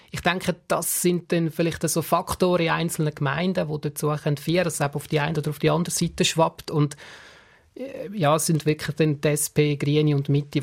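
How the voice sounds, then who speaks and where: Male radio pundit, Swiss German accent, higher-than-average pitch, measured and explanatory. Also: gravelly. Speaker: political scientist interviewed as analyst. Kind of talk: radio interview analysis.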